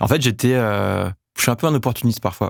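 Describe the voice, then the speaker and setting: At a very fast pace, a man talks in a very clean recording with a silent background. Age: 40s. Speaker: accountant and entrepreneur. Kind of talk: podcast interview.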